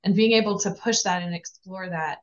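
A woman hosting a podcast interview, reflecting warmly and affirming her guest. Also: lowish voice, a little fast, highs cut off. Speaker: podcast host. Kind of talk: conversational interview.

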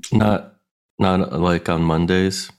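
A man's voice: low-pitched, fairly even intonation, slow pace, smooth. A man co-hosting a comedy podcast, just woken up, talking in a sleepy, wry drawl. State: just woke up. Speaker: podcast co-host. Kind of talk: casual banter.

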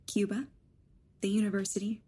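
A woman playing a guarded, reticent young woman in an audio drama, breathy and sparing with words. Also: medium pitch, flat delivery, moderate pace, mellow. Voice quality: breathy, husky. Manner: short, evasive answers.

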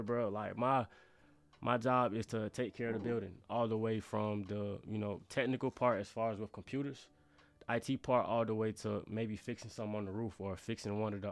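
Low-voiced young African American man chatting. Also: steady tone, a little fast. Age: young adult. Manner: slangy, conversational, often says bro and you know what I'm saying. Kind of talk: casual storytelling chat.

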